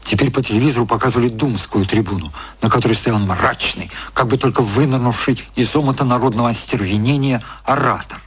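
An actor playing a measured storyteller, narrating a literary radio drama. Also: male voice, mid-range voice, breathy edge. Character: measured male storyteller narrating a satirical novel.

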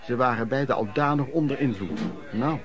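An actor playing an earnest, aghast storyteller narrating lodging-house memories in a radio play. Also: male voice, medium pitch, normal speed, close to an everyday voice. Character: male storyteller recalling lodging-house misery, shocked and earnest. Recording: crowd noise behind the voice.

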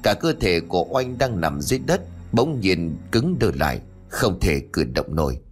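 A man's voice: deep voice, sing-song, normal speed. A man narrating a ghost story in a dramatic storytelling manner. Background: faint music.

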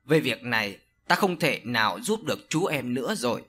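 A man voicing an older village sorcerer who speaks slowly and solemnly in an audio story. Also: medium pitch, big pitch swings, pushed and bright, slight background noise, pitched below the performer's own voice. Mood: grave. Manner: slow, solemn, scolding. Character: older male village sorcerer, stern and grave.

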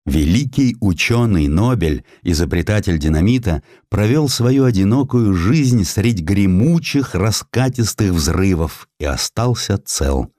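Low male voice narrating an audiobook, dramatic and deliberate, super dry studio sound. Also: animated, warm tone, no room sound. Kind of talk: dramatic scripted literary narration.

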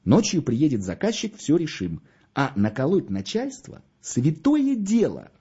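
A man voicing a young office schemer who rattles off plans in a hurried voice. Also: fairly high pitch, wildly swooping pitch, dark tone, slightly rough, muffled recording, voice pushed up, exaggerated voice. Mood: scheming. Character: pushy, fast-talking young male office schemer.

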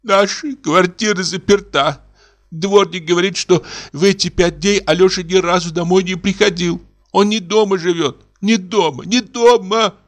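A man's voice: mid-range voice, animated, normal speed, voice pushed up, lightly acted. A man reading aloud and voicing a devoted young wife who speaks earnestly and pleadingly. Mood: distraught. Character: anxious devoted young wife, turning tearful.

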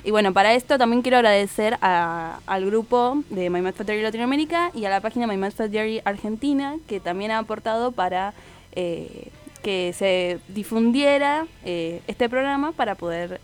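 A woman's voice: mid-range voice, normal speed, clean tone. A woman hosting a radio show, chatting casually with many fillers and self-corrections. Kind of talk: casual radio chat about a TV series.

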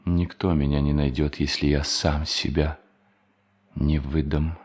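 Brooding, low-voiced fugitive thief. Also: male voice, flat delivery, a little slow, a little mellow, slightly rough, full character voice. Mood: scornful. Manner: theatrical soliloquy, swinging between muttering and solemn declamation. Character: brooding fugitive bank thief, bitter, lonely, self-tormenting man. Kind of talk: theatrical radio play monologue.

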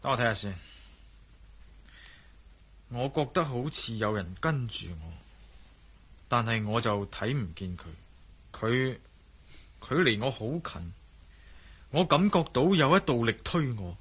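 An actor playing a calm, self-assured adventurer in a radio drama, speaking firm in a matter-of-fact way. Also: male voice, medium pitch, measured pace, long pauses, slightly rough. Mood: steady. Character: bold adventurer man, calm and sure of himself.

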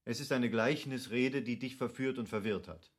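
An actor playing an opinionated, cultivated gentleman in a classic radio play, speaking with emphatic, rhetorical phrasing. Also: mid-range voice, normal speed, lightly acted. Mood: wry, reflective. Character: opinionated, lecturing cultivated gentleman of Goethe's era.

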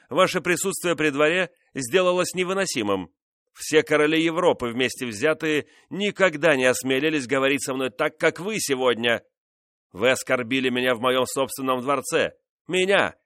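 A man's voice: mid-range voice, fairly bright tone, no echo, studio quality, voice pushed up, lightly acted. A man playing a stern, furious king. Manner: commanding, indignant. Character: stern, proud, angry king, middle-aged man.

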